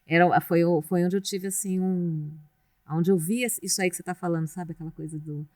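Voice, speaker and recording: A middle-aged woman with a Brazilian Portuguese accent, speaking in a low, dry, close studio sound. She chats in a relaxed, rambling way, circling back and restarting her sentences as she recalls her radio years. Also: fairly quick, no echo. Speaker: radio announcer and presenter, guest. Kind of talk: casual podcast interview.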